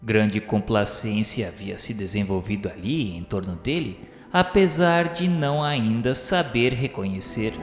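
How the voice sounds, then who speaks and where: A reverberant male voice acting as narrator carries a radio drama with solemn formality. He speaks slowly at a medium pitch, each phrase measured, with music behind him. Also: close to an everyday voice. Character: solemn male narrator recalling the spirit world. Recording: echoey long reverb, music bed.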